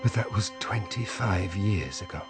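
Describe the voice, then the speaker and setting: Guy playing a broken rich dad in a radio drama, icy sarcastic drawl, lowish voice. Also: close to an everyday voice. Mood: bitter. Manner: slow, icy, bitterly sarcastic. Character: broken aristocratic father, bitter and cold. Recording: music score behind.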